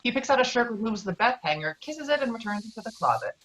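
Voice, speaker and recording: A woman's voice: a little high, sing-song, quick pace, a bit bright, low-quality recording. A woman reading screenplay stage directions as the narrator of a table read.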